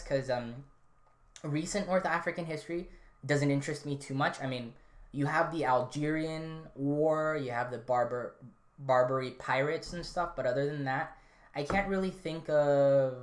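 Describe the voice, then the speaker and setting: A man with a voice on the high side hosts a podcast at normal speed, chatting casually and responding to a live chat. He's relaxed and rambling, with lots of ums, fillers, and restarts, and the recording has a roomy echo.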